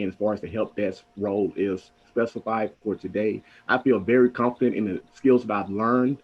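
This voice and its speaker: A young man in his twenties talks through his background earnestly, dropping frequent fillers. His voice is low and husky. The call audio sounds dull and muffled. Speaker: IT intern in mock interview. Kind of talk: self-introduction with fillers. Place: home room on video call.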